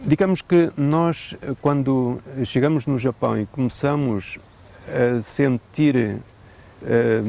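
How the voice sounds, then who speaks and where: Portuguese priest with a gravelly voice. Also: male voice, mid-range voice, darkish tone. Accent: European Portuguese. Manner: measured, thoughtful, with hesitant fillers and a dry joke now and then. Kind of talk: unscripted interview answers.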